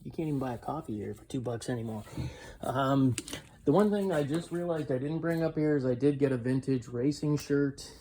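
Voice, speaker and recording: A man's voice: medium pitch, darkish tone. An older man giving a casual, unscripted show-and-tell of secondhand finds, rambling and self-deprecating as he goes. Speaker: collectibles reseller showing a garage sale haul. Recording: clearly noisy home recording with clicks.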